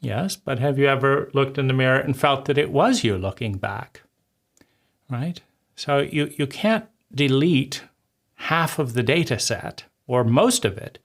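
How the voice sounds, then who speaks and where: A man's voice: medium pitch, expressive, unhurried, creaky. Argumentative man picking apart a book. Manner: argumentative, restarts and stacks rhetorical "right?". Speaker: host critiquing a book. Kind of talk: casual spoken commentary.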